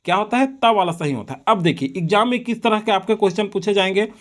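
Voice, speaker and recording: A male teacher giving an exam-prep lesson on correct spelling, slowly repeating words to drill them. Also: sits high, fairly bright tone.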